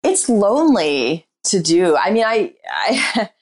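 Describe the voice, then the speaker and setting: A woman guest, a writer and performer, talking candidly and reflectively in a casual interview, often pausing on "like" and "you know.". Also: mid-range voice, sing-song. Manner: describes herself as shy and introverted.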